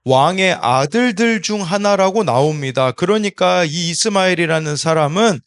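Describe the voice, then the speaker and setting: A man in his thirties, a pastor, giving an early-morning Bible devotional in a measured, explanatory way and addressing the congregation. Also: high voice. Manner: sometimes slips into regional dialect speech. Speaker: associate pastor, son of senior pastor.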